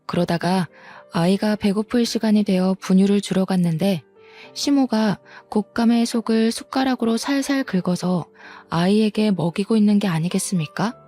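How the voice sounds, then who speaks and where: A young woman narrating a first-person story in a calm, steady way. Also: medium pitch, normal speed, faint music behind.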